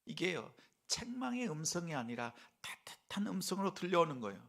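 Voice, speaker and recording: A male pastor preaching a sermon, asking the congregation rhetorical questions and swinging between soft whispers and a raised pleading voice. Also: fairly high pitch, sing-song, brisk, vocal fry.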